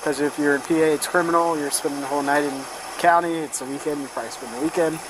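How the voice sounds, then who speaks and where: Speaking quickly in a fairly high, steady voice, a male police officer explains procedure in a relaxed, matter-of-fact manner. The clip comes from a body-worn camera outdoors at a roadside by vehicles, and the recording is noisy from a nearby car engine.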